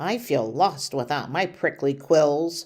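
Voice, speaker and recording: A put-on character voice growls at a fairly slow pace with lively intonation. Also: man. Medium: read story. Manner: grunting.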